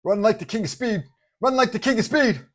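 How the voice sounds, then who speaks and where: High, crazed, blurting bomb maker. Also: male voice, animated, fairly quick. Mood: manic, dazed. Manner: abrupt, repetitive blurting. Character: dazed, crazed bomb maker blurting repeated nonsense phrases.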